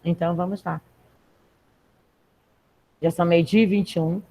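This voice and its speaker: A woman's voice: lowish voice, steady tone, normal speed, warm tone. A woman teaching a Portuguese class, reading a text aloud and patiently explaining spelling rules to her students. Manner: patient, checks in with frequent "tá?". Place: classroom with students in the room and at home.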